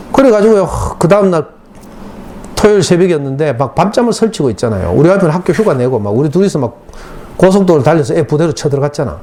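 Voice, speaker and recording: Fast, lively middle-aged man with Gyeongsang accent. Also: on the high side, a little hiss or hum. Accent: Gyeongsang Korean. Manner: emotional storytelling, dialect speech. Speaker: parenting lecturer. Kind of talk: lecture to parents. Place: school lecture hall.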